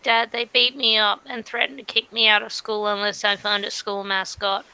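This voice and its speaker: A woman voicing an aggrieved teenage adventuring-school student in a tabletop game, complaining earnestly and haltingly. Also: mid-range voice, flat delivery, bright, forceful tone, clean tone, pitched below the performer's own voice, poor audio. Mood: pleading.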